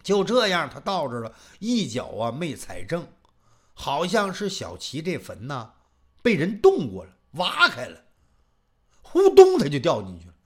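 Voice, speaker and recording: A man telling a traditional folk tale, dramatic and animated, voicing every character himself. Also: on the high side, a little slow. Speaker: storyteller. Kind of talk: traditional Chinese oral storytelling.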